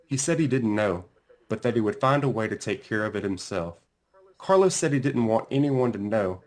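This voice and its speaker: A man reading a children's storybook aloud as its author, with deliberate, dramatic emphasis. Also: fairly low pitch. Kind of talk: expressive children's storybook narration.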